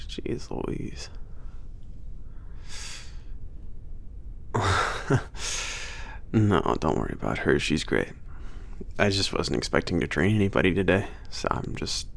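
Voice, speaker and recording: Werewolf crew trainer played by a man: low, slow-talking, wry and teasing, slightly unsure of himself, ASMR roleplay. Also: sing-song, creaky, a bit bright, exaggerated voice. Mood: surprised, reassuring. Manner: hesitant, teasing, sighing and chuckling casual talk. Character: male werewolf maintenance trainer, casual, a bit of attitude. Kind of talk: ASMR roleplay audio drama.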